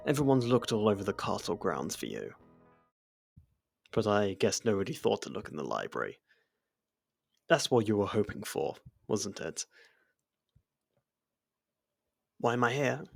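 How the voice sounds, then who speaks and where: A performer voicing a devoted, worried royal servant who speaks formally and haltingly in an ASMR fantasy roleplay. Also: low-pitched, very animated, vocal fry, no room sound, studio quality, soft background music, pitched below the performer's own voice, heavily acted. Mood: pointed, knowing. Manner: earnest, formal, deferential, halting. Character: devoted royal servant, worried, gently scolding close friend.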